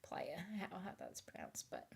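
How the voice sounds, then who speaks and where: A woman's voice: fairly low pitch, creaky, dark tone, husky. A woman with a light Southern accent, chatting casually with her stream viewers in a rambling, giggly way. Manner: rambling, giggly, restarts and overthinks aloud. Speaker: live streamer.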